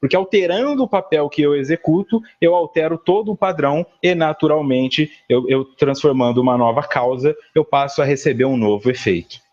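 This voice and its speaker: A man's voice: a little high, a little fast, hardly any pauses, darkish tone, dull audio. Man teaching a conversational study class. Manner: conversational, frequent "tá?" tag questions; explains a read text with everyday examples. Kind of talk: spiritist study lecture.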